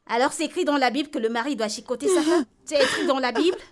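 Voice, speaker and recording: A woman dubs a role in a French film: Vicky, an outspoken, caring friend tending a beaten woman, who talks bluntly and repeats herself insistently. Her voice is high-pitched, fast and natural.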